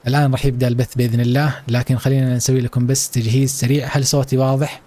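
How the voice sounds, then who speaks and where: A man's voice: medium pitch, flat delivery, rapid-fire, mellow. A man with a Saudi Arabic accent hosting a live esports watch-along stream, hyping it up and chatting playfully with his viewers.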